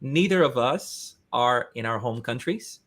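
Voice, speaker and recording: A man's voice: mid-range voice, measured pace, faint music behind. Man hosting an interview. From Brazil. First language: Portuguese. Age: 30s. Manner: animated, many restarts. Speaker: host. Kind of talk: casual interview chat.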